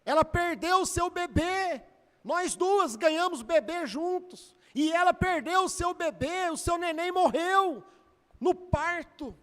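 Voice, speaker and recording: A man voicing a desperate young mother pleading before a king, crying out louder and louder, in an echoey hall. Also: very high-pitched, lively intonation, slow, exaggerated voice. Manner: pleading, sobbing tone, rising to loud cries.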